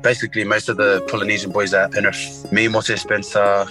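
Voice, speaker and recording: A man's voice: fairly low pitch, little pitch movement, fairly quick, over music, low-quality recording. A man from Western Sydney with an Australian accent, a rugby league player giving a laid-back, plain-spoken interview answer.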